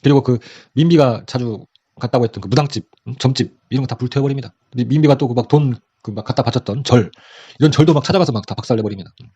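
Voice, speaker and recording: A man's voice: mid-range voice, rapid-fire, mellow, slightly rough, dry recording, dull audio. A man giving a casual history lesson for an exam. He talks in a chatty way and acts out the quotes in different voices. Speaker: history lecturer.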